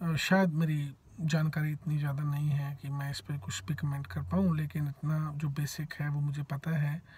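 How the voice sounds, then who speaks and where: Recorded dry with no echo, a man speaks at a fairly slow pace and fairly high pitch, somewhat breathy, in a dark, mellow tone with fairly even intonation. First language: Punjabi (speaking Hindi). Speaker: political commentator. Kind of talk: opinion monologue. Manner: hesitant, frequent fillers; Hindi-English code-switching. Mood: critical, argumentative. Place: car. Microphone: phone near.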